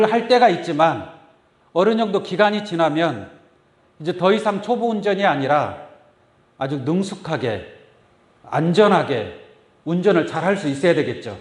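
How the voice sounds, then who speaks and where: A man's voice: sits high, expressive, measured pace, long pauses. A man preaching a sermon as pastor, often asking the congregation questions. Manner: asks the congregation many questions. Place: church sanctuary. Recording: echoey church room. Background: congregation saying amen.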